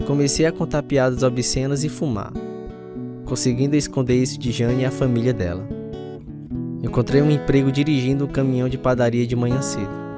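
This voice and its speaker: A man's voice: medium pitch, steady tone, brisk, close to an everyday voice. An actor playing a troubled, repentant man telling his own story as a dramatised radio testimony. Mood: reflective. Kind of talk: first-person dramatised testimony narration. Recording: music behind the voice.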